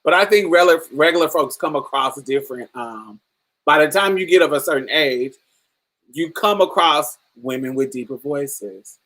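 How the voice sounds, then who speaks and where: A woman with a deep voice hosting a casual podcast chat, telling stories with frequent laughter and calling the listener honey and baby. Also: normal speed. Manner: animated storyteller, laughs often, calls listeners honey and baby. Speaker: podcast host.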